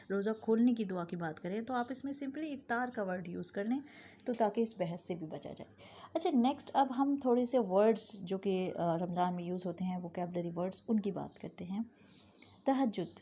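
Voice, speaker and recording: A woman teaching English vocabulary, saying each word pair twice and the English words slowly. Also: mid-range voice, mellow, slight background noise. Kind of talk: vocabulary lesson.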